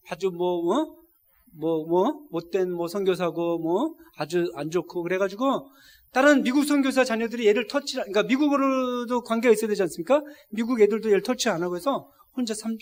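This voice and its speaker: A middle-aged man preaching a sermon as a missionary, telling a story with feeling and speaking straight to the congregation. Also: sits high. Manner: emotional storytelling, directly addressing the congregation. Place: church service.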